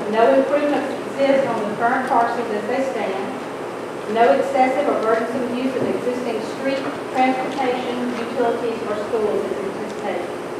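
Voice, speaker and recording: A woman talks at a moderate pace. Loud background noise and audible room echo fill the recording. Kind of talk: formal staff report reading. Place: hall.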